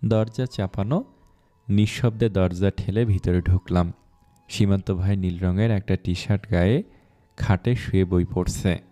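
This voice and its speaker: Deep-voiced man narrating a love story. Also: steady tone, a little slow, dark tone. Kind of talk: scripted first-person story narration.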